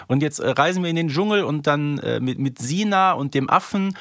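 A man's voice: a little high, expressive, fairly quick, a bit bright, no room sound, clean studio sound. A man co-hosting a podcast in casual, conversational discussion. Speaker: podcast co-host.

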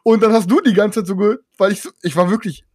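A young man in casual chat about a board game, animated and defensive, swearing often. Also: high voice, fast, dry recording, studio quality. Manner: animated, defensive, swears a lot, repeats "pass auf". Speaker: board game podcast co-host.

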